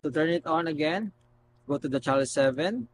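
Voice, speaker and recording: Male product reviewer, casual and unscripted, halting instructional delivery, noisy home-style recording with hum. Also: fairly high pitch, lively intonation. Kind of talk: casual unscripted gadget demonstration. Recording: noticeable background noise and hum.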